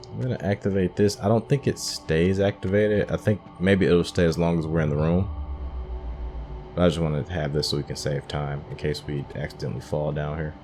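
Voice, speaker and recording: A man's voice: rumbling low, little pitch movement, fairly quick, darkish tone, soft background music. A man giving casual commentary as he plays a video game, musing and thinking aloud as he works things out. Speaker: gamer hosting a playthrough.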